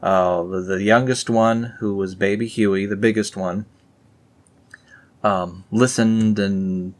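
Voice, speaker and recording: Young man, low voice, reads old scripture aloud and cuts in with dry, sarcastic, rambling remarks. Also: steady tone, takes it slowly. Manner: dry, mocking asides with filler-heavy ramble. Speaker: reader and commentator.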